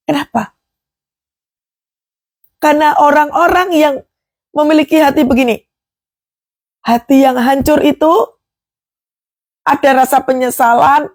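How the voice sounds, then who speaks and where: A woman's voice: sits high, dry recording, clean studio sound. A woman preaching a devotional sermon, emphatic, with rhetorical questions and acted prayers.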